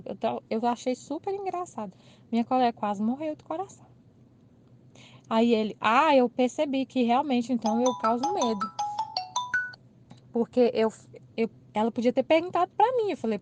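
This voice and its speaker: A woman with a Brazilian accent recounts an everyday mix-up in a lively, chatty way. Her voice sits a little high, and she acts out the others' lines as she tells it. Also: muffled recording. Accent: Brazilian Portuguese. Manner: animated, laughing retelling with quoted dialogue. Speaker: channel host. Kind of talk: casual storytelling.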